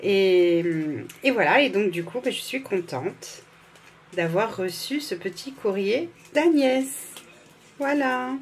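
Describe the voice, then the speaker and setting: Slow-talking, chatty woman vlogger. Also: mid-range voice, lively intonation, a little hiss or hum. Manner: chatty, gushing, apologizes for mispronouncing names; fumbles and restarts while reading labels. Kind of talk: casual vlog chat.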